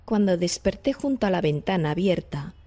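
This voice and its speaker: An actress playing a frightened young artist's model haunted by dreams, earnest and insistent, in a dramatized audiobook. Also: female voice, on the low side, expressive, moderate pace, mellow. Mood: haunted, recounting. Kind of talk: dramatized audiobook acting in Spanish.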